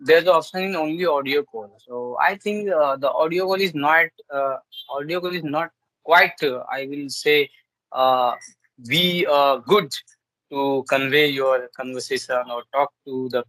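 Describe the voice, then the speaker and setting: A man's voice: fairly high pitch, measured pace, a bit bright, no echo, poor audio. A man with an Indian English accent, Urdu as his first language, chatting hesitantly on a video call while practicing English, with many fillers and restarts. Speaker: English learner. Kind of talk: casual video call chat.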